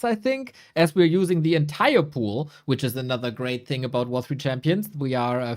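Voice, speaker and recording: A male esports caster from Germany. He talks in a playful, self-mocking, chatty way. His intonation swings widely up and down. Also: high voice. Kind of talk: live esports casting with a sponsor read.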